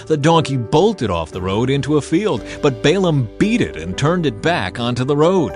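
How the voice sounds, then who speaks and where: A man's voice: mid-range voice, sing-song, moderate pace. A man giving a solemn, scripted dramatic narration of scripture as a storyteller. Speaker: narrator of a dramatized audio Bible. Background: background music.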